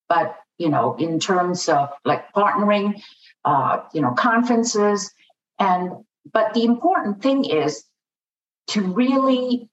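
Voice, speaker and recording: A woman speaking as a podcast guest, halting, with many fillers and restarts. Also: mid-range voice, a little hiss or hum. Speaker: podcast guest, biotech partnering advisor. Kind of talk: conversational panel discussion. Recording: distant, echoey, dull remote audio.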